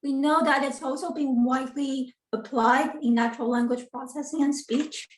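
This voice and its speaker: A woman's voice: high-pitched, fairly even intonation, moderate pace. A woman in her thirties from Taiwan, giving an academic talk on a video call, earnest and full of ums and self-corrections. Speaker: guest lecturer, assistant professor. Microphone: video call computer mic. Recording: roomy, distant from the mic.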